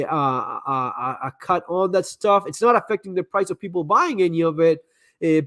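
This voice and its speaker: His voice is high and fairly bright, with no echo. Replying to viewers' messages on his live stream, the man talks casually and gives frank advice, often repeating words in stammered restarts.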